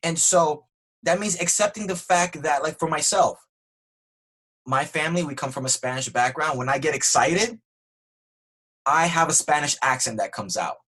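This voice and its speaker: A man being interviewed as a podcast guest, talking earnestly and growing animated when excited. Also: fairly high pitch, moderate pace, poor audio. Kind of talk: conversational interview.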